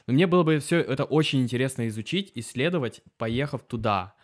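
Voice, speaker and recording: A man hosting a conversational interview, curious, who asks long questions with drawn-out hesitation sounds. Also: medium pitch, lively intonation. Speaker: host.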